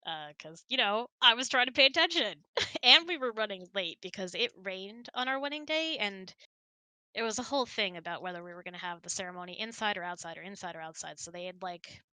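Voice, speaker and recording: A woman's voice: medium pitch, sharp tone, no room sound. A woman hosting a casual hangout, telling stories and answering questions in a chatty, rambling, giggly way. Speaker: host of an online hangout.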